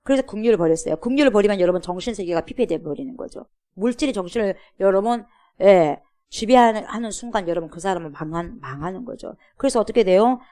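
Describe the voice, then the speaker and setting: A woman pastor delivers a sermon in a church with an emphatic, insistent delivery. She keeps turning to the congregation with repeated rhetorical questions. Her voice sits at a middle pitch for a woman. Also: lively intonation, quick pace, dark tone.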